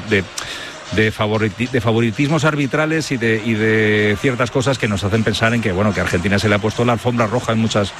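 Male radio pundit, rapid talker, lowish voice, long arguments with lots of restarts. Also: noisy background. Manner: rapid, restarts phrases, lays out arguments at length. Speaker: sports radio commentator. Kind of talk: analytical radio debate.

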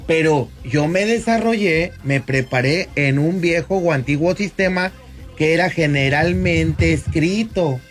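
Brief: male lawyer, 50s, radio guest, measured explainer, slightly high voice, soft music bed underneath. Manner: measured, explanatory, often addresses the host by name. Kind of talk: radio talk segment. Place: radio studio booth.

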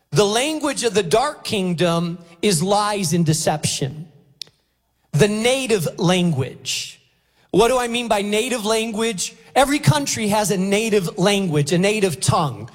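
High-voiced male pastor preaching in a hall. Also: animated. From Spain. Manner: emphatic, deliberate, teacherly. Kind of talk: sermon. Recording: reverberant hall, faint music.

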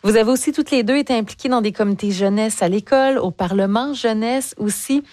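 A woman's voice: on the high side, a little fast, darkish tone, dry recording. Woman interviewer, dry sound. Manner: encouraging, asks follow-up questions by name. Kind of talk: radio interview.

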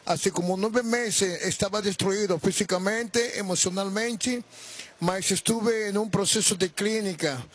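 A man from Bolivia, a native Spanish speaker with a Bolivian Spanish accent, giving an earnest, halting testimony on live radio. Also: sits high, a bit bright, slightly rough. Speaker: testifying churchgoer.

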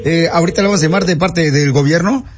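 A man's voice: on the high side, fast talker. A man hosting a radio prank call, teasing his target in a mock-official tone. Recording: muffled lo-fi radio audio with faint music.

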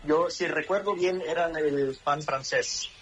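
A Mexican man with a Mexican accent speaks as a guest on a radio call, in a slightly high voice. He is courteous and friendly and talks at an easy pace. A faint hiss runs underneath. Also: fairly bright tone, lo-fi sound. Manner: polite, friendly, unhurried. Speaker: phone-in guest, restaurant manager.

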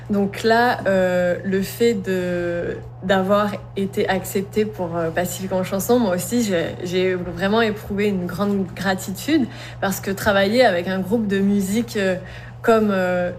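A woman, a slam poet and singer, answering interview questions in an earnest, thoughtful way with many pauses. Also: medium pitch, slight background noise.

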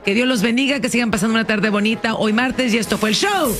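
A woman's voice: fairly high pitch, fast. A woman with a Mexican accent co-hosting a playful radio show, teasing and laughing often as she trades banter. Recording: radio studio with music behind.

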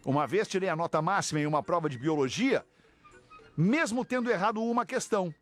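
Jokey radio host, man, high voice, reads emails aloud. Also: lively intonation, brisk, soft background music. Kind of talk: casual banter on a radio show.

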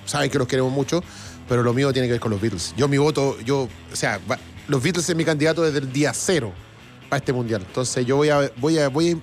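A man's voice: mid-range voice, fast talker, soft background music. Chilean man hosting a live stream. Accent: Chilean Spanish. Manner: lively, reads viewer comments aloud. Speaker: co-host of a music stream. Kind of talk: casual live-stream chat reading comments.

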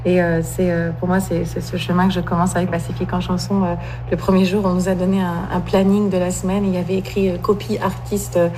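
A woman's voice: lowish voice, quick pace, low-quality recording. A woman speaking as a guest in an interview, thoughtful and searching for words. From France, of Iranian descent. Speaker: guest, singer-songwriter and copyright lawyer. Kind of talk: radio interview. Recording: steady background hum.

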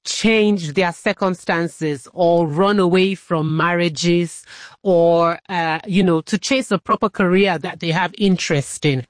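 A woman's voice: on the low side, slow pace, no echo, clean studio sound. A woman reporter interviewing a guest, asking long, probing questions with some hesitation. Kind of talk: radio interview.

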